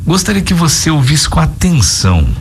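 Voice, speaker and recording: A man hosting a late-night Christian radio show, chatting with callers in a playful, teasing way and often laughing or jumping into falsetto. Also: very animated, normal speed, creaky, slight background noise. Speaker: radio host. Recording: music bed playing loudly.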